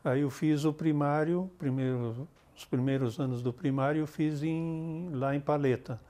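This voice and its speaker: An older man with a southern Brazilian accent talks as an interview guest. His voice is mellow and slightly high for a man. He explains and recollects in a measured, conversational manner. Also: steady tone. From Santa Catarina, southern Brazil. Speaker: interview guest, retired army colonel.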